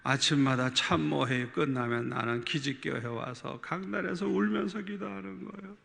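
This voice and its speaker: Middle-aged male pastor, very gravelly and bright, testimony sermon in a long reverberant hall. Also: on the high side, normal speed. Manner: emphatic, storytelling, repeats words for stress.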